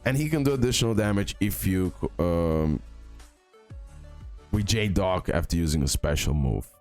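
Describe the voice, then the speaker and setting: A man's voice: low voice, animated, measured pace. A man giving casual, informal gaming commentary as a content creator, often repeating himself for emphasis. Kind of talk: casual gaming commentary over a tier list. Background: background music.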